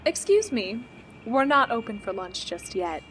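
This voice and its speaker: An actress playing a sassy, bitter bar owner in an audio drama, with a sardonic, expressive delivery. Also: female voice, a little high, a little slow, music in the background.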